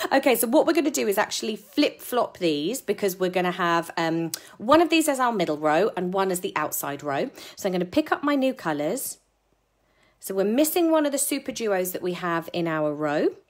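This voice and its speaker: Against a quiet background, a woman talks fairly quickly with a British accent. Her pitch swings very widely. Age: 30s. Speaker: craft tutorial host. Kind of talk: casual tutorial live stream. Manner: chatty, friendly. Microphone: phone near.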